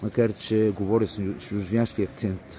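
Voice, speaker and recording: A man with a fairly low pitch. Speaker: travel vlogger. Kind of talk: walking travel vlog. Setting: outdoors. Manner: casual, hesitant with fillers.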